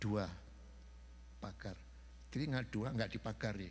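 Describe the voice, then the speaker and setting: A man speaks at a moderate pace with a fairly low pitch and vocal fry. His voice makes very wide pitch swings, with audible room echo. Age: 70s. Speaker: visiting pastor. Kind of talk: sermon. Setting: church.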